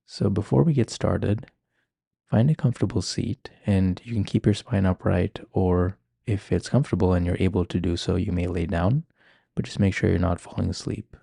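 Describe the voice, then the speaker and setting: A man leading a guided meditation in a calm, gentle, measured manner. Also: low voice, vocal fry, slightly rough, no echo, studio quality. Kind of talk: guided meditation, ASMR-like instruction.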